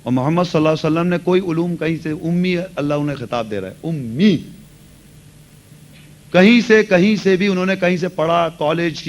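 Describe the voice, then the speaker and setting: A man's voice: fairly high pitch, a little mellow. A man giving a religious lecture, earnestly explaining and mixing English words into his speech. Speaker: Quran lecturer.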